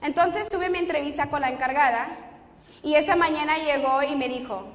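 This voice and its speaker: A woman's voice: high-pitched, moderate pace. A young woman giving a personal testimony with strong feeling, acting out what she and others said. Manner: emotional, reenacts dialogue. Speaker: testimony speaker. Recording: echoey hall with long reverb.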